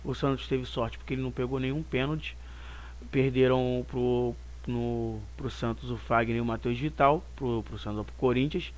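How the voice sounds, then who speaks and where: Man, Brazilian Portuguese accent, hoarse from a cold, middle-pitched, rambling football commentary, home recording. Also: steady tone, moderate pace. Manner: rambling and opinionated, circles back on his points. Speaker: football channel host.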